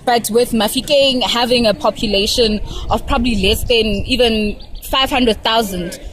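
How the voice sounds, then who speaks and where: A woman's voice: on the high side, moderate pace, a bit bright. A young woman student from Pretoria speaking out earnestly about social problems, often repeating words as she builds her point. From Pretoria, South Africa. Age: young adult. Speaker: university student. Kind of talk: impassioned vox pop answer. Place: outdoors on a campus. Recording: noisy outdoor recording.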